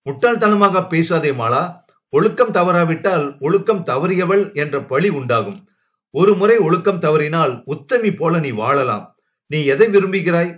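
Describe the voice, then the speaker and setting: A man's voice: a little high, animated, measured pace, a bit bright, voice pushed up. A man voicing a scheming male blackmailer who speaks in a coaxing, menacing way. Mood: scornful. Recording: dull lo-fi recording.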